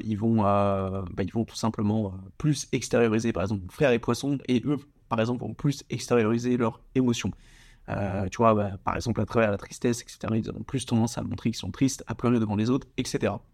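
A man's voice: medium pitch, darkish tone. A young man hosting a casual solo podcast, informal and slangy, often stumbling and repeating words. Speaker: podcast host.

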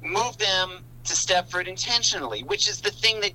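A man's voice: sits high, lively intonation, moderate pace, pushed and bright, poor audio. A man, a podcast guest, walking through a book's plot in detail during a casual film discussion. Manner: detailed, explanatory storytelling.

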